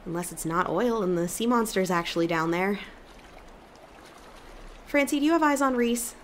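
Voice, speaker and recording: A woman's voice: medium pitch, lively intonation, moderate pace, close to an everyday voice. A woman playing an anxious, practical young island woman in an audio drama, speaking bluntly and with worry. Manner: blunt, worried. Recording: water and ambient noise behind.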